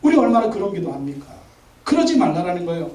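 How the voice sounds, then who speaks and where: A man's voice: high voice, sing-song, quick pace, dark tone. A man preaching a Sunday sermon as pastor, making emphatic commanding declarations and repeating phrases for emphasis. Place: large church sanctuary. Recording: echoey sanctuary, mic from a distance.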